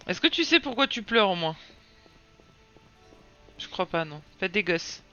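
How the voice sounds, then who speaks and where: Woman game streamer, casual commentary, hushes a child between plays; lively pitch, slightly muffled stream audio. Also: measured pace, faint music behind. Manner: comforts a crying child between game remarks.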